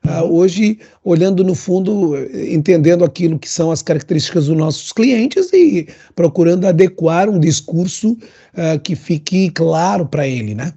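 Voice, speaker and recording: A man from northern Portugal with a European Portuguese accent that leans Brazilian, chatting as a guest with lively asides and many fillers. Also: fairly high pitch, normal speed, gravelly, breathy edge, dull audio. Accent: European Portuguese, adapted toward Brazilian. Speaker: guest, LinkedIn consultant. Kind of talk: casual interview chat.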